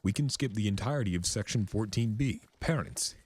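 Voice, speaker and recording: A man's voice: on the low side, lively intonation, brisk, husky, dry recording, voice pushed up. A man voicing a male pegasus clerk, literal and bureaucratic, in a story reading. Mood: firm, officious. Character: officious, hesitant male pegasus clerk doing paperwork.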